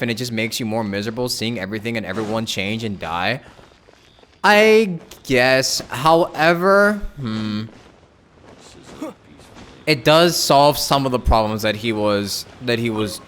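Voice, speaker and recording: A man chatting casually on a game livestream, thinking aloud in a halting way and repeating his phrases. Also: medium pitch, a bit bright, a little hiss or hum. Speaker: game streamer. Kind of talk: casual livestream chat with viewers.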